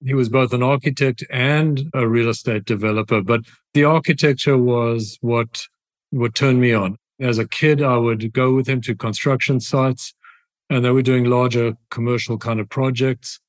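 A man's voice: mid-range voice, steady tone, moderate pace, dry recording. A man with a South African accent, a guest architect on an interview podcast, telling stories in an easy, reflective way. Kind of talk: casual interview.

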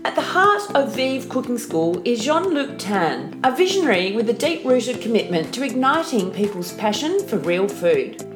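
Lively woman hosting a podcast. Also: on the high side, normal speed, few pauses. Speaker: podcast host, business coach. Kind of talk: podcast hosting, scripted intro. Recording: roomy with music behind.

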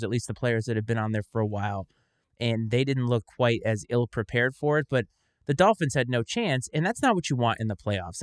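A man in his forties with a middle-pitched voice co-hosts a casual sports talk show. He argues his points wryly. The recording is dry and close. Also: no echo. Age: 40s.

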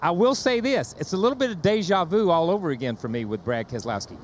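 A man's voice: high-pitched, lively intonation, fast talker, slight background noise. A man working as a racing analyst, talking animatedly and often repeating words as he starts a thought. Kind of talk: studio commentary panel.

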